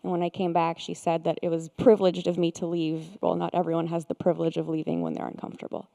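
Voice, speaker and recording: A woman sharing a painful personal story, hesitant and halting, often pausing with fillers. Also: fairly low pitch, gravelly, dark tone. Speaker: participant, therapist.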